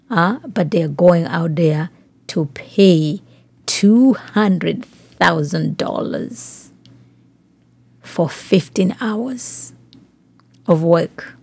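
Husky low-voiced woman podcast host. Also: extremely slow, darkish tone, no echo. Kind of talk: news commentary, part reading aloud.

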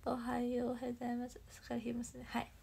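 A young woman chatting on a livestream, reading viewer comments and thanking fans, bubbly and chatty with soft whispery asides. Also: a little high, monotone, racing, creaky, breathy edge. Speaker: idol livestreamer.

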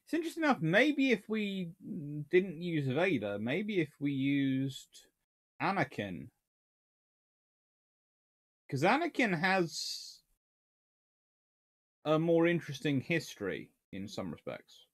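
A man's voice: a little high, takes it slowly, long pauses. Rambling man chatting on a livestream. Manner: rambling, animated, with many restarts and fillers. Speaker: naval history livestream host. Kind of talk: casual livestream chat reading viewer comments. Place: small home study with shelves of books.

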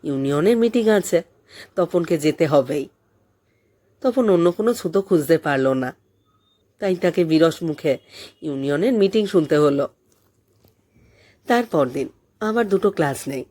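Female audiobook storyteller, expressive scripted fiction narration with a soft-edged, mellow tone. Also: low-pitched.

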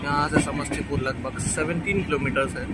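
A man's voice: fairly even intonation, a little fast. A young man chatting casually to viewers from a train and a station platform, explaining routes and timings, recorded on a phone held at arm's length. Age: young adult. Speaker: train travel vlogger. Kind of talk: casual travel vlog commentary. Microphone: phone camera at arm's length. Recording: loud train rumble and platform crowd.

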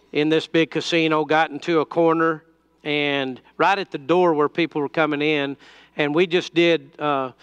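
A male pastor speaks into a pulpit microphone in a slow, unhurried sermon, his fairly high voice smooth and clear. He keeps it conversational, with frequent fillers and restarts. The sound is close and dry, with almost no room echo. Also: a bit bright.

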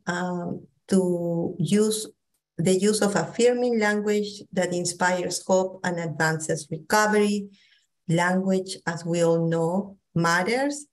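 A middle-aged woman from Peru with a thick Peruvian Spanish accent, presenting a training talk on a video call, pausing often with fillers and restarts. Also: lowish voice, poor audio. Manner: warm, hesitant with many fillers and restarts. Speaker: psychologist presenter.

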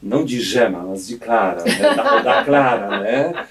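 Polish-accented man, slow and searching. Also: fairly low pitch, expressive, distant mic, crowd noise. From Poland. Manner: reflective, hesitant with many restarts. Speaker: auxiliary bishop. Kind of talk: radio interview. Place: radio studio. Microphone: studio mic on boom arm.

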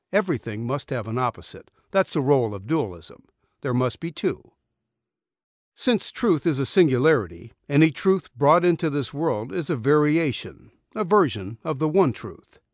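Middle aged guy narrating an audiobook, earnest n measured, really lively intonation, dry close studio sound. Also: on the high side, no echo. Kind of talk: scripted audiobook narration of a spiritual essay. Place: small dim recording booth. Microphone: studio condenser microphone, close.

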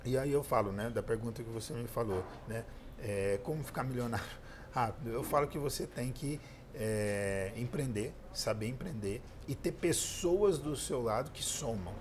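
On a pink-decorated indoor studio set, a Brazilian entrepreneur and speaker in his thirties answers an interviewer's questions with earnest storytelling. His mid-range voice has a darkish tone and normal speed, and a little hiss or hum sits in the recording.

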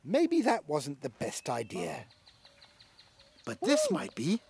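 A woman narrating a cartoon for small children in an expressive storybook style, with exclamations and simple questions. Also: lowish voice, slow pace, gravelly, over music.

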